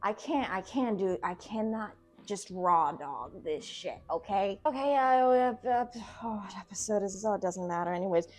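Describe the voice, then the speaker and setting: A woman's voice: mid-range voice, normal speed, a little mellow. A woman doing casual, joking video commentary, sarcastic, irreverent and profane, with a theatrical streak. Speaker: video essay host. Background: background music.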